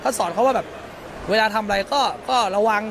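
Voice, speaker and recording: A man's voice: high-pitched, a little fast, background noise. A man answering reporters in a press interview, rambling with lots of fillers. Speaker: interviewed celebrity. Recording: loud music and crowd behind.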